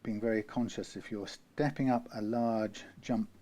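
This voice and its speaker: A British man with a low, warm voice talks a little slowly and in a steady tone. Working through a guitar repair as workshop how-to narration, he rambles, corrects himself and offers dry asides.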